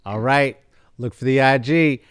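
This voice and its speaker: Smooth-voiced man hosting a casual chat. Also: mid-range voice, measured pace, dry recording, clean studio sound. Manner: rambling and playful, swings from hushed earnest to loud hype. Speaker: podcast host. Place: video call.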